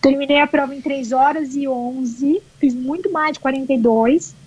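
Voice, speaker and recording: A woman's voice: high-pitched, steady tone, normal speed, a little mellow, highs cut off. A Brazilian woman with a Brazilian Portuguese accent, a marathon runner telling her story in an interview, emotional, repetitive and colloquial, with some swearing.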